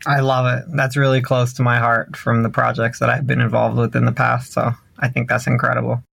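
Gravelly man hosting an interview. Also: mid-range voice, monotone, brisk, fairly bright tone, no room sound. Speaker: interview host. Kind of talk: conversational podcast interview.

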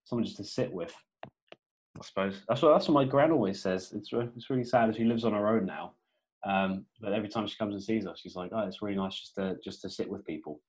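Young male podcast co-host, deep voice, relaxed rambling chat over a video call. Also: quick pace, rough recording. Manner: laid-back, rambling with many fillers.

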